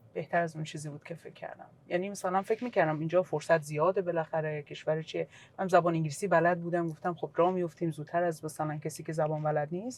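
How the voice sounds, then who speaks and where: Someone with a Kurdish accent talks at a very fast pace. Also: woman, fairly low pitch for a woman, fairly even intonation, big swings in loudness. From Iran, Kermanshah (Kurdish region). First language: Kurdish (speaking Persian). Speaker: writer and hypnotherapist. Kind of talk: interview.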